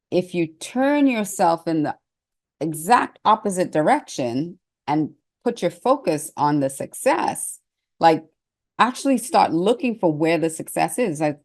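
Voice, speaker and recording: A woman's voice: on the low side, darkish tone. A middle-aged woman giving an earnest, conversational motivational talk as a success coach, with hesitant restarts.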